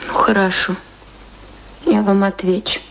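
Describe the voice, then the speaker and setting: An actress in a radio drama playing a reluctant, gently condescending young woman, measured, evasive and cool. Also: mid-range voice, level tone, a little hiss or hum, natural voice, poor audio. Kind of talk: dramatic radio play acting.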